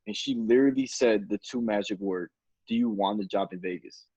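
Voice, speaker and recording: A man's voice: fairly low pitch, fairly quick, dark tone, slightly rough, dry recording. Laughing young man on a dull webcam. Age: 20s. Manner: storytelling, laughs often. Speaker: podcast host. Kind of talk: casual chat on a video call. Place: indoor room at home. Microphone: video call webcam.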